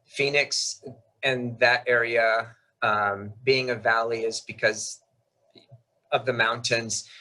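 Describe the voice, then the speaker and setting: A man's voice: mid-range voice, fairly even intonation, slow, sharp tone, low-quality recording. A man in his fifties from South Texas, a native Spanish speaker, giving an informal, explanatory presentation in a conversational, slightly hesitant manner. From South Texas, United States. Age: 50s. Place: video call while screen sharing.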